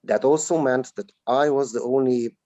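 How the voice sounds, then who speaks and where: A man, a native Hungarian speaker and actor, answering slowly in a webinar interview over a video call, with many drawn-out fillers. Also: mid-range voice, mellow, no room sound. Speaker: film actor, guest.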